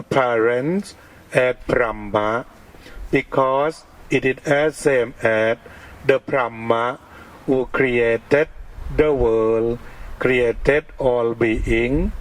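A Thai-accented man speaks as a Buddhist monk giving a dharma talk. He delivers his words slowly and deliberately, in short measured phrases. His pitch sits in an ordinary middle range for a man. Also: rough recording. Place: outdoor park gathering.

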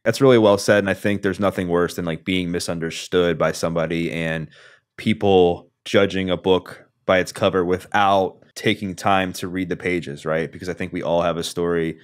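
A man in his thirties hosting a podcast interview, relaxed and casual with many filler words, on a studio mic. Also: sits low, normal speed, smooth. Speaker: podcast host. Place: small room, video call. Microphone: studio mic on boom arm with headphones.

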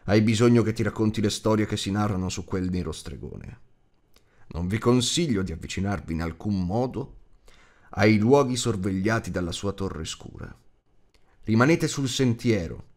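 A man's voice: medium pitch, darkish tone, natural voice. A man voicing a stern, commanding old wizard in an audiobook, admonishing and teasing with emphatic delivery. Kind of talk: audiobook character acting.

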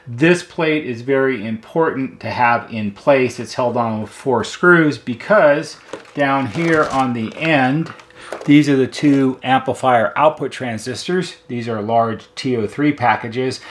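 A middle-aged American man giving an unscripted hands-on demonstration as a repair technician, explaining methodically in plain words. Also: mid-range voice. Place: indoor repair workshop at a bench.

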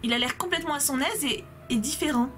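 A woman's voice: sits high, quick pace, a bit bright, faint music behind. A young woman playing a story game, reading the dialogue aloud in her own voice and chatting to viewers between scenes. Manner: playful, reads all characters in her own voice, asides to viewers. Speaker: game let's player.

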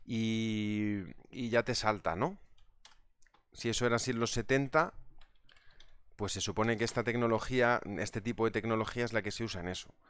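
Chatty man, smooth low voice. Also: steady tone, moderate pace, fairly bright tone. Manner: chatty, reads out viewer comments. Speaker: trading instructor. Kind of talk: live market analysis webinar.

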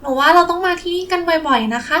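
A woman plays a sweet little girl in a toy play, with a very high voice. She is eager and polite, and exclaims excitedly. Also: fast. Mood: delighted. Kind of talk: children's toy play storytelling.

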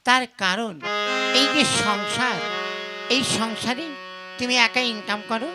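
Woman acting brash village wife over loud music. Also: on the high side, measured pace, natural voice. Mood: defiant. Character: brash, defiant village wife chasing video fame. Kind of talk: Bengali folk puppet-show drama. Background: sitar and tabla music.

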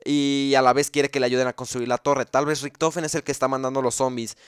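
A man's voice: mid-range voice, little pitch movement, brisk, clear, resonant tone, dry recording, clean studio sound. A man gives casual commentary explaining video game lore. He thinks aloud, with frequent fillers and restarts.

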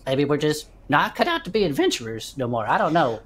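A woman's voice: low voice, wildly swooping pitch, a little fast, slightly rough, exaggerated voice. A woman voicing an easygoing male adventurer with slangy, laid-back talk, in an audio drama.

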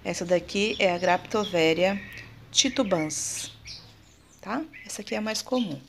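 A Brazilian woman hosts a relaxed show-and-tell vlog and talks at a middling pitch. She is chatty and fond, full of little pet words, and keeps calling out to her viewers. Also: unhurried, slight background noise. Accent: Brazilian Portuguese. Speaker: plant vlogger.

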